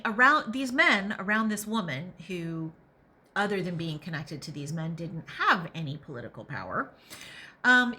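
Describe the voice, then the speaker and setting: A woman hosting a podcast, reading aloud and adding opinionated, emphatic commentary, sometimes pausing to think out loud. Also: mid-range voice. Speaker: podcast host and reader.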